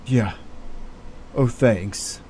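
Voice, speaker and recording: A man's voice: medium pitch, extremely slow, a little mellow, a little hiss or hum, voice pushed down. A man voicing a weary, embittered middle-aged doctor in an audio drama, downcast and dramatic. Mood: defeated, bitter. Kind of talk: amateur audio drama acting.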